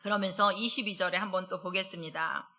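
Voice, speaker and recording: A woman associate pastor giving a conversational midweek sermon. She asks the congregation questions and slows down to read scripture aloud. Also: medium pitch, fairly even intonation, pushed and bright. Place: church service.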